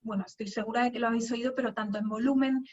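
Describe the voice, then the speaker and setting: A woman's voice: on the high side, steady tone, very fast, muffled recording. Madrid woman giving a webinar talk. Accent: Spanish, from Madrid. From Spain. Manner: conversational, frequent fillers and restarts. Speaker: guest speaker. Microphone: video call.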